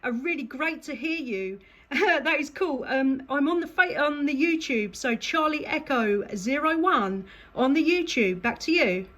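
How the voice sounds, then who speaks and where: High-voiced woman on CB radio. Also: expressive, measured pace, fairly bright tone, slight background noise. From England. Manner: enthusiastic. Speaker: CB radio operator. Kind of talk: casual CB radio chat.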